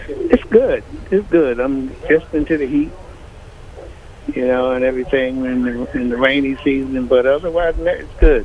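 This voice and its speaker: Noticeable background noise sits behind a man speaking at a moderate tempo. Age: 70s. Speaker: caller. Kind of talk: casual phone chat on radio.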